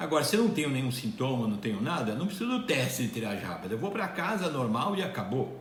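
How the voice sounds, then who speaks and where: A man races along at a very fast pace with hardly any pauses, his fairly high voice swinging very widely in pitch. Audible room echo and noticeable background noise surround him. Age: 60s. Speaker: video presenter proposing a public health plan. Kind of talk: explanatory presentation.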